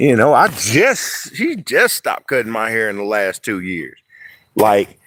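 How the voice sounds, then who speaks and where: Here is a man speaking. He talks with a Southern US accent. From US South, Memphis, Tennessee. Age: 50s. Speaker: vlogger. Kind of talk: casual live stream vlog. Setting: outdoors in the woods. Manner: casual, rambling conversational.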